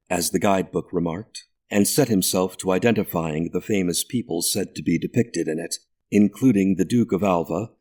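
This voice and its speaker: A man narrating a ghost story audiobook in a measured, deliberate way. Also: low-pitched, a little mellow.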